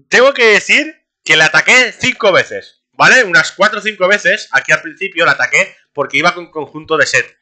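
A young man, streaming a game and talking to his chat in a casual, excitable way, laughing often. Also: high-pitched, unhurried. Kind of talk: casual gameplay commentary.

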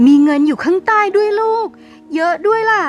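A woman voicing a kind, humble, poor mother, gentle and polite, in a cartoon story. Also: very high voice, fairly quick, lo-fi sound, faint music behind, voice pushed up. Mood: surprised.

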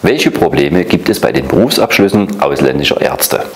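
A man's voice: a bass voice, expressive, normal speed. A man reading scripted questions as a voice-over announcer. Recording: roomy, echoing voice-over.

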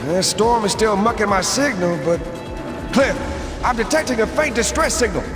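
A man's voice: high voice, expressive, normal speed. A man voicing a cool, cocky, easygoing robot soldier in a video game, with a nonchalant, teasing manner. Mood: matter-of-fact. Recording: loud music over dialogue.

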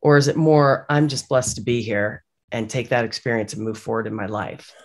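A woman's voice: extremely low pitch, steady tone, normal speed, a little mellow. A woman in her forties hosting an interview, asking chatty, upbeat questions with quoted asides. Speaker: podcast host. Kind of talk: interviewing a guest. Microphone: studio microphone on video call.

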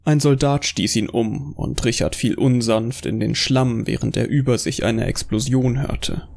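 A man's voice: mid-range voice, fairly even intonation, unhurried, vocal fry, a little mellow. A man reading scripted narration for a horror audio drama as its narrator. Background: faint music.

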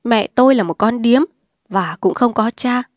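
A woman's voice: on the high side, moderate pace, no echo, lightly acted. A woman voicing a defiant, streetwise young woman who speaks bluntly and scornfully. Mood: bitter. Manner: blunt, scornful and sharp-tongued.

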